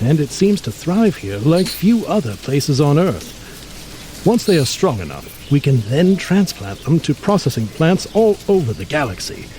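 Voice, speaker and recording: Learned mutant scientist, animated swooping intonation, genial, pompous, florid phrasing, audio drama, outdoor insect sounds behind. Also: male voice, a little high, slight background noise. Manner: florid, pompous, bookish vocabulary with emphatic delivery. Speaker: scientist guide. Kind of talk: acted audio drama speaking to the listener.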